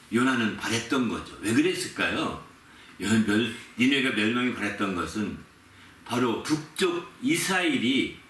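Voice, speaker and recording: A male pastor preaches a sermon with a bright, forceful voice that leaps up and down in pitch. He tells the story with animation and hammers key words again and again. He is recorded from some distance in a roomy, echoey church. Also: a little hiss or hum. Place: church sanctuary. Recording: echoey room, mic at a distance.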